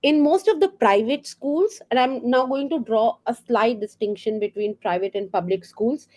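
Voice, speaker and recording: A woman's voice: fairly high pitch, moderate pace, a little mellow. A middle-aged woman with an Indian English accent, explaining ideas to teachers in a professional development session, earnest and full of rhetorical questions and small fillers. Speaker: teacher trainer.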